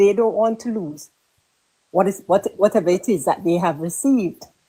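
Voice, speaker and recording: With a Jamaican accent, a woman speaks at a moderate pace in a dark, mellow tone. Her intonation is lively. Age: 60s. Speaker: political commentator. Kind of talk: political commentary.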